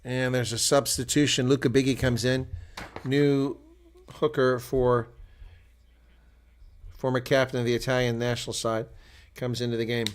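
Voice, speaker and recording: A man's voice: mid-range voice, flat delivery, measured pace, long pauses, a little hiss or hum. An American man giving live rugby play-by-play and reactions, chatting with viewers as he goes. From United States. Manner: chatty, talks to viewers while calling play. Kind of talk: solo live rugby commentary.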